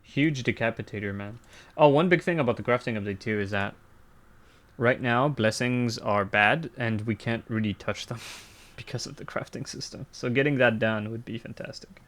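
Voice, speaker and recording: A man's voice: medium pitch, moderate pace, fairly bright tone. Crude joking male streamer. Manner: crude joking, laughs often. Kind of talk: casual gaming chat.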